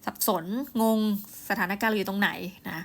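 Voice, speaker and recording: A woman's voice: medium pitch, fairly even intonation, moderate pace, fairly bright tone. A woman hosting a casual book review show, chatting with listeners and briefly acting out the characters' lines. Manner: chatty, acts out quotes, addresses listeners.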